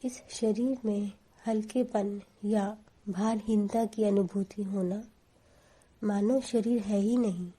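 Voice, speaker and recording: A woman leads a guided meditation in a very soft, mellow tone. She speaks slowly and deliberately, with a calm, soothing delivery at a medium-low pitch. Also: slightly rough, low-quality recording.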